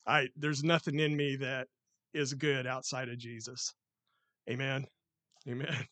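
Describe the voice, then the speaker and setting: Loud, excited man preaching. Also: mid-range voice, a little slow, dry recording. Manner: loud, excited, reads scripture with rising force. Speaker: lay preacher. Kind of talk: sermon with scripture reading. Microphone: handheld or stand mic.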